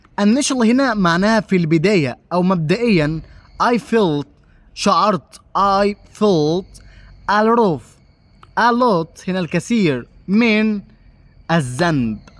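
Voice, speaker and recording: The recording is very clean, with a silent background. A man speaks very slowly in a high voice with lively intonation, leaving long, frequent pauses. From Egypt. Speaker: English teacher. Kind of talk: language lesson explanation. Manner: casual, friendly.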